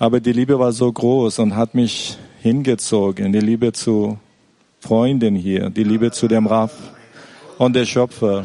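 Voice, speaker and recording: Leaving long, frequent pauses, a man speaks with very even loudness and monotone, flat intonation. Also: medium pitch for a man, fairly slow pace. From Iran. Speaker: congress participant. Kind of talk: personal testimony.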